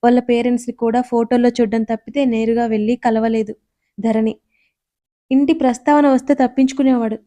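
A woman storyteller narrating a romantic audio story in a calm, even manner. Her voice is mellow and warm, set a little high. The reading is steady and scripted. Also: a little fast.

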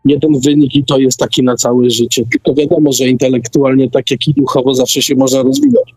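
A man's voice: medium pitch, expressive, a little fast, a little mellow, no room sound. A man, a listener calling in to a radio show and debating casually.

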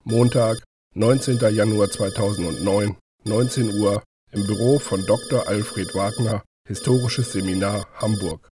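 A man's voice: lowish voice, fairly even intonation, a little slow, warm tone, soft background music, natural voice. A man giving scripted announcements of time and place in an audio drama.

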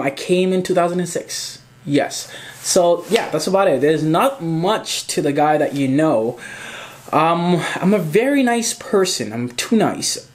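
A man in his twenties from Zimbabwe, chatting casually and rambling as he answers questions in a home vlog. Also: on the high side. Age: 20s. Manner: chatty, rambling, gestures with hands, swears casually. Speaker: photographer and YouTuber. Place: small indoor room at home.

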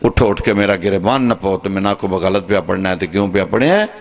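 A man's voice: low voice, animated, fast, vocal fry. A man from Pakistan, preaching an impassioned majlis sermon to mourners in a large tent, his voice swinging between dramatic rises and sudden drops. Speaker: zakir preacher at a mourning gathering. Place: large tent with a seated crowd. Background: gathered mourners.

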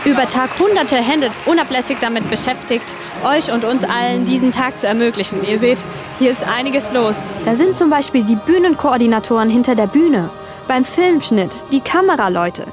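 A woman's voice: fairly high pitch, expressive, moderate pace. Upbeat young woman reporting backstage. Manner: upbeat, enthusiastic questions. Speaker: event reporter. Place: large event hall. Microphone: handheld microphone. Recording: music bed underneath.

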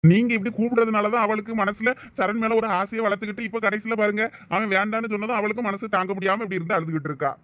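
Man for a protective, lecturing young villager, Thoothukudi Tamil, very fast talker. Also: high voice, fairly even intonation, a bit bright, no echo. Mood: scolding. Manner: brisk, teasing, lecturing.

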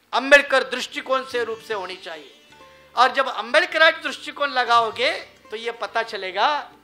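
Male lecturer, rhetorical and needling, a high forceful voice. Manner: rhetorical, asks the audience questions. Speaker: public speaker. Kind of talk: public lecture.

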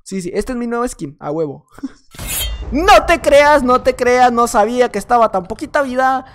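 A young man giving excitable gameplay commentary at home, chatting nonstop, repeating words and breaking into shouts. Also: extremely high pitch, moderate pace, slight background noise. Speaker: gaming YouTuber. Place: at home at night.

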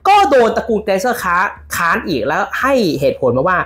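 A man giving casual football news commentary on his own channel, lively and animated, shouting out players' calls as he explains. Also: high voice, fairly quick.

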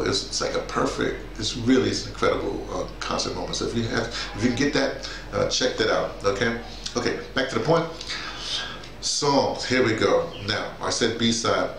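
A middle-aged man chatting casually and unscripted, rambling and halting as he thinks aloud and shares personal memories and opinions. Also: lowish voice, gravelly, fairly bright tone. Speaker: music commentator sharing personal memories. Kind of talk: casual spoken reminiscence, unscripted personal commentary. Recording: roomy echo, faint background noise.

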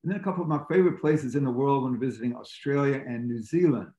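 An older man whose first language is Greek, giving a steady, measured talk as a tour guide and lecturer over a video call. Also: mid-range voice, echoey room. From United States.

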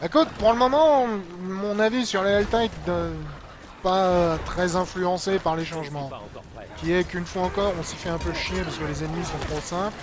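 A man's voice: sits high, normal speed. A man giving casual, colloquial, mildly sarcastic live commentary as a game streamer. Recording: game sound clearly behind voice. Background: video game noise and ambience.

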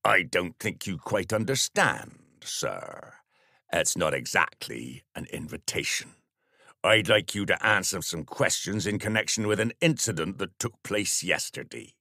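A man's voice: deep voice, lively intonation, pushed and bright, no echo, clean studio sound, full character voice. A man doing a smug, officious police sergeant. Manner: formal, pompous, measured.

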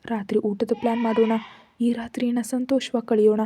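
A woman voicing a gentle young woman who speaks softly and soothingly. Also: fairly high pitch, level tone, brisk, slight background noise, lightly acted.

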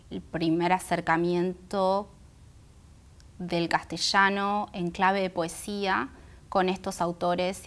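Low-pitched Buenos Aires woman, Guaraní native. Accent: Buenos Aires Argentine. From Argentina, Buenos Aires area. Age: 30s. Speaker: interview guest, singer and poet. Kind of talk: reflective personal interview. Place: indoor auditorium stage. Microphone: clip-on lapel microphone.

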